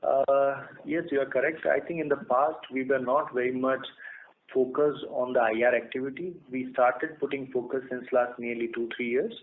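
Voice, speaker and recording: An Indian man, a company executive, giving formal, measured answers to investors on a conference call. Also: mid-range voice, fairly even intonation. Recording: muffled phone line with clear noise.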